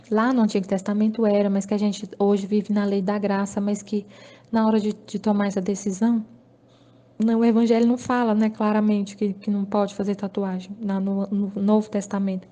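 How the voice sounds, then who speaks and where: Brazilian woman, catholic channel host, earnest and repetitive, soft dark tone. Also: medium pitch. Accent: Brazilian Portuguese. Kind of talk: personal testimony talk.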